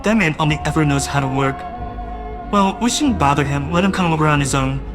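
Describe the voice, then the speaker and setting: A man's voice: a little high, a little fast, music in the background. A man narrating a first-person audio drama in a wistful, doting way that grows uneasy.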